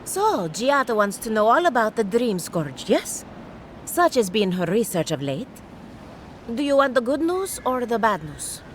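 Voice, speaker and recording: A woman's voice: fairly high pitch, very animated, a little slow, a little hiss or hum. An actress playing an eccentric, condescending woman researcher who studies people like specimens, in a theatrical, clinical manner. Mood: brisk, clinical. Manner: theatrical, clinical, patronizing, sing-song. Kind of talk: video game character dialogue.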